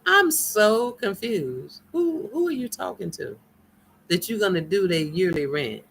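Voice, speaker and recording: A woman's voice: medium pitch, a little slow, creaky, a little hiss or hum. A woman from the United States with an African American accent, chatting casually and teasingly with viewers on a live stream, laughing often. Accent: African American English. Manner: animated, laughing, teasing, folksy. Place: home in Nigeria.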